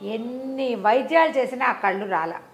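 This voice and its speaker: A woman's voice: on the high side, normal speed, slight background noise. A woman storyteller narrating a folk tale in a conversational, explanatory way, repeating phrases for emphasis.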